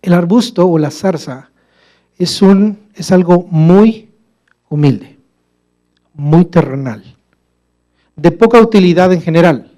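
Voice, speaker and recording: A man delivers a sermon in a church, his voice pitched fairly high yet mellow and warm. He poses rhetorical questions to the congregation and addresses them as brother. He shifts from emphatic, loud passages to quiet, low asides. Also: slow, long pauses. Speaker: preacher.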